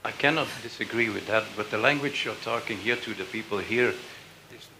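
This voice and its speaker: A man's voice: lowish voice, a little fast, creaky, background noise. A man putting a direct, blunt question to a panel from the audience. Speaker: audience member.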